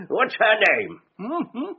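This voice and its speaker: An actor playing an elderly, genial lord who chuckles and teases in a radio drama. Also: male voice, high voice, wildly swooping pitch, drawn-out words, creaky, full character voice. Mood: jovial. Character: elderly male lord, jovial and teasing. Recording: tinny lo-fi radio broadcast with faint hiss.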